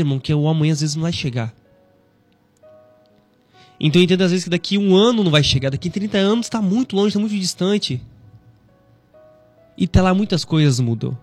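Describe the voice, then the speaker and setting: A Brazilian man in his thirties speaks as a Christian radio host, easygoing and conversational as he shares a scripture reflection. His voice sits a touch higher than most men's, and faint music plays softly behind him. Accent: Brazilian Portuguese. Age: 30s. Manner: conversational, frequent "né" tags, gentle preaching. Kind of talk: devotional radio talk.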